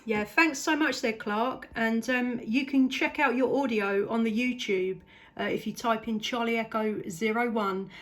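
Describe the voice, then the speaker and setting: A woman's voice: fairly high pitch, a little slow. A woman operating a CB radio, chatting casually and enthusiastically with other operators. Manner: enthusiastic, appreciative. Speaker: CB radio operator, channel host. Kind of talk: casual radio contact chat.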